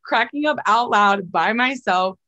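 A woman hosting a podcast, animated and quick to laugh, chatting casually and swearing now and then. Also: a little high, dull audio. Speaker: podcast host. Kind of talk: casual interview chat.

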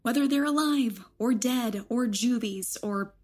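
A woman's voice: a little high, unhurried, darkish tone, slightly rough. A woman playing a defiant, blunt rejuvenated elder in a young body in an audio drama. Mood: defiant, sardonic. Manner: guarded, sardonic, blunt.

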